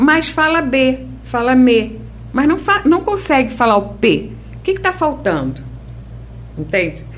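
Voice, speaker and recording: A woman talks fairly slowly at a very even loudness, with long, frequent pauses and noticeable background noise. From Rio de Janeiro, Brazil. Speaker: speech therapist. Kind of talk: interview answer.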